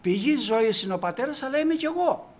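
A man preaching a sermon to his congregation, emphatic, swinging from quiet asides to loud declarations. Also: very high-pitched, lively intonation. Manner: addresses the congregation as brothers.

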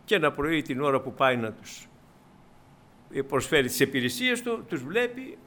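A man's voice: on the high side, big pitch swings, a bit bright. A male preacher delivering a sermon, retelling a Bible story and acting out the characters' lines, often addressing listeners as brothers. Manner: dramatizes quotes with shifting voice and volume.

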